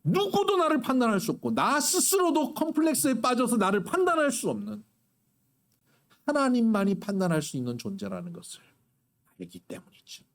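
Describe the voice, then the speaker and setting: A middle-aged male pastor preaching with a higher voice that swings widely up and down. He plays out little quarrels in character voices between plain teaching. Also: huge pitch swings, fairly quick. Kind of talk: sermon.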